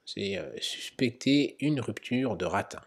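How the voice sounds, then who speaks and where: A man's voice: medium pitch, lively intonation, slow pace, slightly rough. A man, a medical educator, talking through an emergency-medicine quiz in an explanatory way, with many fillers. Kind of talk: narrated quiz lesson.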